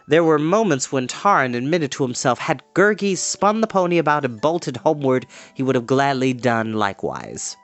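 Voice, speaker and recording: A storyteller reads aloud at a medium pitch. The narration is measured and expressive, in the manner of a storybook reading.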